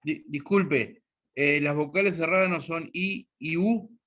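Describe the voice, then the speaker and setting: A man's voice: on the high side, measured pace, a bit bright. A male student answering and politely questioning his teacher, a bit hesitant. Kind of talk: classroom answers.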